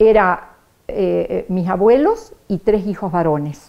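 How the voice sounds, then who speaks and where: The speaker is a woman. Her pitch sits at a medium level. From Argentina, Catamarca. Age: 60s. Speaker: history professor. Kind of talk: testimony. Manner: halting.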